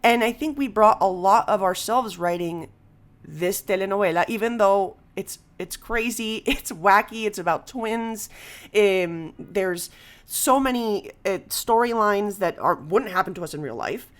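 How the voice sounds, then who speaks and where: A woman hosting a podcast in casual conversation, telling stories in an animated way with frequent chuckles. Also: medium pitch, a little slow. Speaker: podcast host.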